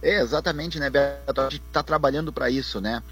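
A man's voice: medium pitch, brisk, slightly rough, soft background music. A man, calling in to a radio interview on speakerphone. He speaks earnestly and repeats himself, often turning back to the host. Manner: earnest, repetitive, keeps addressing the host. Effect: on speakerphone over a phone line. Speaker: football club vice-president calling in.

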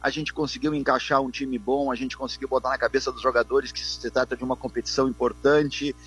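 A man's voice: mid-range voice, level tone, fast, a bit bright, husky, faint music behind. A man, calling in to a radio interview on speakerphone. He speaks earnestly and repeats himself, often turning back to the host. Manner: earnest, repetitive, keeps addressing the host. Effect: on speakerphone over a phone line. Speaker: football club vice-president calling in.

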